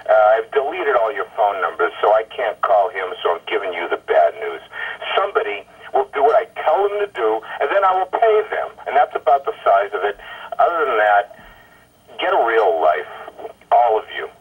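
An exasperated, profane man leaving rambling, irate voicemails over the phone, halting and stammering over repeated words. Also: fairly low pitch, sing-song, husky. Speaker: caller leaving voicemail messages. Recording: tinny, muffled telephone voicemail line.

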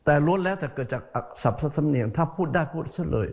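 A man's voice: a little high, lively intonation, quick pace, gravelly, darkish tone. A male Buddhist monk giving a folksy sermon, speaking straight to his listeners and repeating words for emphasis. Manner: speaks to listeners directly as "sir".

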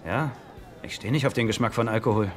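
A man's voice: on the low side, a little fast, soft background music, lightly acted. An actor playing a naive, lovesick rich man in a dubbed sitcom, earnest, guileless and a little sulky. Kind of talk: German-dubbed sitcom acting.

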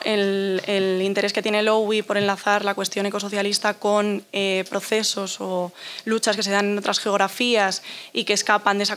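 Young woman doing a panel intro, pretty monotone, kinda halting, semi formal. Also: mid-range voice. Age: young adult. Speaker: panel moderator introducing speaker. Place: indoor forum hall, at a table. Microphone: table microphone on stand.

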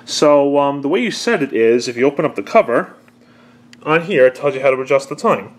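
A man's voice: mid-range voice, lively intonation, a little fast. A man talking casually and unscripted, explaining a product step by step in a conversational way. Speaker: presenter demonstrating an old answering machine.

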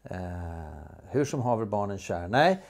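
A man's voice: lowish voice, big pitch swings, a little mellow. En man, skådespelare, som berättar avslappnat i en intervju, tvekande med många utfyllnadsljud och omstarter. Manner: hesitant, many fillers and restarts. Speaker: interview guest, actor. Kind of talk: casual storytelling interview.

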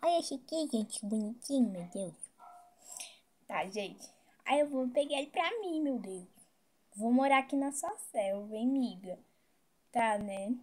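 A high-pitched woman with a Brazilian Portuguese accent narrates a game role-play. She keeps turning to her viewers in a chatty way, and her voice is soft and mellow rather than bright. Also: expressive, measured pace, pauses often. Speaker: game vlogger.

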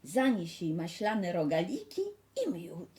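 Casting: woman playing a caring fairy-tale mother, urging, raised and lively. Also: fairly low pitch, a little slow. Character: caring mother sending her daughter off.

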